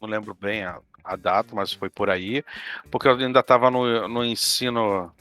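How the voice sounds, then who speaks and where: A man in his forties from Rio de Janeiro with a Carioca accent, a guest chatting in a relaxed, joking way about his long history with tabletop games. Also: lowish voice, moderate pace, faint music behind. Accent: Carioca Brazilian Portuguese. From Rio de Janeiro, Brazil. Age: 40s. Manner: laid-back, jokey, self-deprecating. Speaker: guest, RPG game master and writer. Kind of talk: casual interview chat.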